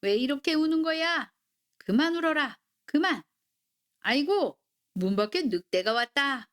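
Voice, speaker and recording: A woman's voice: animated, measured pace. A woman voicing an exasperated mother coaxing and scolding a crying child in a bedtime story. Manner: coaxing, scolding, high and fussy.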